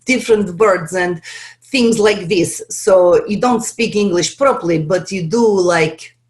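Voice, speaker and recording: A woman's voice: on the low side, measured pace, natural voice. A woman doing a clipped Russian accent. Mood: instructive. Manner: clipped, broken grammar. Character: clipped Russian speaker of broken English.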